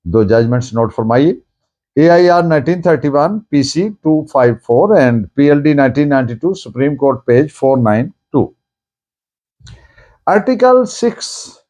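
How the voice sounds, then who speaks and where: A Pakistani man delivers a formal law lecture at a slow, measured pace. His voice sits fairly high and rises and falls markedly as he stresses key phrases. He is deliberate and emphatic, often restating a point. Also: darkish tone. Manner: deliberate, emphatic, repeating points in Urdu and English. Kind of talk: formal lecture, reading out and explaining legal text.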